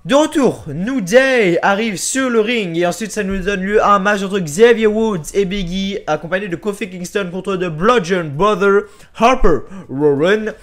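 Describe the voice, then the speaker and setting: High-voiced man giving an opinionated recap. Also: measured pace, few pauses, soft background music. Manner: opinionated, frequent fillers and repeats. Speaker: wrestling show recap host. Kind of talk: casual spoken recap.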